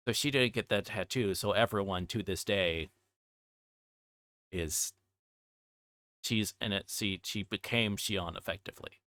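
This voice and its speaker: A man livestreaming a game, talking casually and haltingly as he thinks aloud and reads along. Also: fairly low pitch, sharp tone, no echo, clean studio sound.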